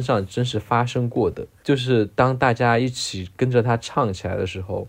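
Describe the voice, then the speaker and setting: A man with a plain, everyday voice speaks at medium pitch and a moderate pace. His pitch variation is ordinary, and the background is quiet. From Hunan, China. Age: 20s. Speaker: podcast guest, Chinese pop music fan. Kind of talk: casual chat.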